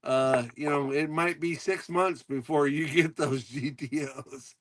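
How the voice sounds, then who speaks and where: A man's voice: a little high, steady tone, unhurried, no echo. A man co-hosting a casual talk show, rambling and laughing as he tells stories and repeats himself. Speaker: co-host. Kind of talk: casual chat.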